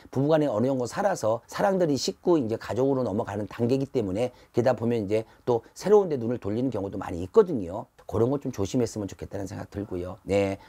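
A man's voice: fairly low pitch, mellow, breathy edge. A middle-aged man, a fortune teller, giving earnest, repetitive advice to camera from an indoor shrine room on a lapel mic. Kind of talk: fortune-telling talk to camera.

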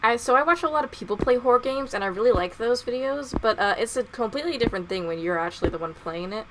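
A woman's voice: a little high, lively intonation, fast talker, fairly bright tone, a little hiss or hum, poor audio. A young woman on a headset mic, playing a horror game and commenting nervously, laughing and asking questions. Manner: nervous, giggly, full of questions. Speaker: gaming streamer.

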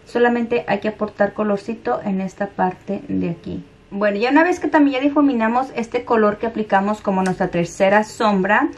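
A young woman hosts a makeup tutorial in a chatty, friendly way, calling her viewers girls. She explains each step as she shows it, at an easy pace. Her voice sits at an ordinary middle pitch. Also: moderate pace. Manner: chatty, addresses viewers as "chicas", soft-spoken demonstrating.

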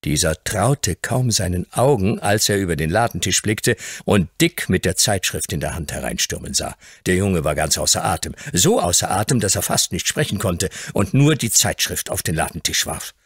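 Male audiobook narrator, husky, lower voice, lively expressive delivery, dry close sound. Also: moderate pace, hardly any pauses, no room sound. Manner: expressive storytelling. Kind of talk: scripted narration.

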